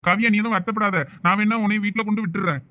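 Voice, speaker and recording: A man's voice: sits high, steady tone, racing, highs cut off, lightly acted. A man voicing a flustered young village husband in a comic cartoon family drama, with a Thoothukudi Tamil accent and a pleading, coaxing manner. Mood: defensive. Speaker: cartoon voice actor.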